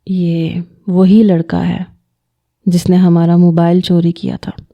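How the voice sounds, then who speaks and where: A woman's voice: fairly low pitch, little pitch movement, gravelly, muffled recording, voice pushed down. A woman voicing a loyal young male friend in an audio story, hesitant and confiding.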